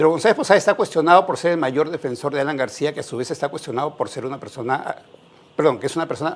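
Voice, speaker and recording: A man speaks at a very fast pace. His voice is fairly high, with ordinary pitch variation. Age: 60s. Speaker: pollster and political analyst. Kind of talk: radio interview.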